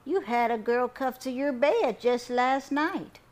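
A woman's voice: high-pitched, measured pace, voice pushed up. A woman voicing a meddling, piping old grandmother in an audiobook reading. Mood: disapproving. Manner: piping, chiming.

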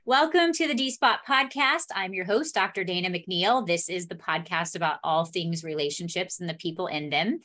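A woman's voice: lowish voice, normal speed, few pauses, fairly bright tone. An American woman hosting a podcast interview as a therapist, talking in an informal, chatty way. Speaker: podcast host, couples therapist.

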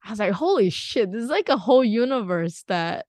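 A woman's voice: mid-range voice, animated, brisk, a little mellow, no echo, studio quality. A woman from Singapore in casual conversation, chatty and laughing often, trailing off and restarting her sentences. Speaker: conversation partner. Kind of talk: casual chat.

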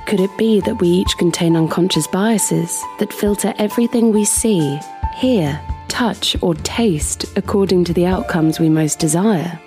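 A woman's voice: on the low side, mellow. An actress playing a hurt, bitter woman in an audio drama, emotional and pointed in her delivery. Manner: emotional, accusing, sarcastic. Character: hurt, bitter woman confronting her cousin over betrayal.

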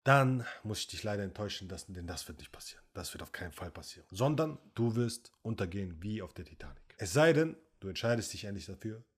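A man's voice: fairly low pitch, lively intonation, fast, few pauses, breathy edge. A man giving a blunt, confrontational coaching monologue, lecturing the listener directly and sometimes mocking them in a whiny voice. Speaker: men's coach.

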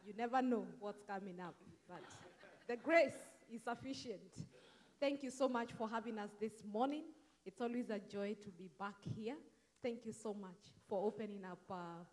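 A woman, a pastor's wife, thanking the congregation and praying over them in church. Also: medium pitch. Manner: warm, prayerful and gracious. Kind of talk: church address.

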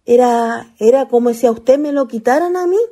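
A woman's voice: on the high side, moderate pace, mellow, lightly acted. A woman acting a naive, affectionate young country ghost in a radio drama, with a Chilean accent and folksy, coaxing speech. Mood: apologetic, coaxing.

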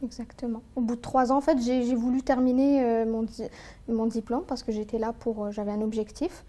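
An Algerian tax lawyer whose first language is Algerian Arabic recounts her life in a personal interview as a guest. Her mellow voice is a little high, with little pitch movement, and she talks fairly quickly. She comes across as earnest and thoughtful, with frequent hesitations.

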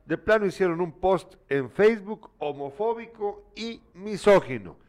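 A man's voice: high voice, animated, a little slow, darkish tone. Opinionated man co-hosting news. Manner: opinionated, exasperated, scolding asides. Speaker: news show co-host. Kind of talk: casual commentary reading viewer messages.

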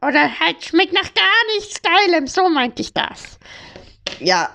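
Co-host, young woman, deadpan and teasing, very high, bright, unhurried delivery. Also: vocal fry. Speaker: podcast co-host. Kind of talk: casual chat.

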